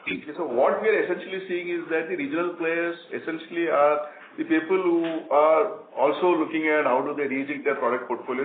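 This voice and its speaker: A man answering questions as a company executive on an earnings call, explaining in halting, repetitive phrases. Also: fairly high pitch. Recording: tinny phone line, roomy echo, faint noise.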